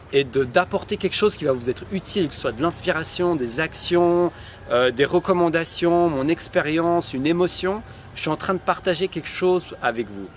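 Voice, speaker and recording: A man giving an improvised, relaxed talk to camera, with frequent hesitations. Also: on the high side, a little hiss or hum. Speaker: personal development vlogger.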